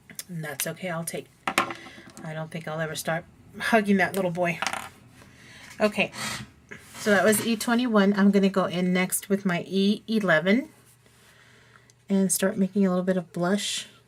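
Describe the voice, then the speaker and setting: A woman speaks at medium pitch with fairly even intonation and long, frequent pauses. Noticeable background noise runs underneath. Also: moderate pace. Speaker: art tutorial video maker. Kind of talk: tutorial. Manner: casual, chatty.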